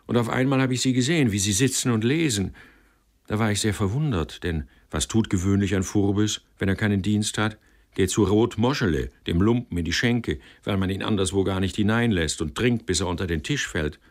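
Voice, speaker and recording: A man's voice: fairly low pitch, fairly quick. A man voicing a shy, eager young Jewish apprentice lad who pleads and chatters on. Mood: eager, pleading. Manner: pleading, wheedling, talkative.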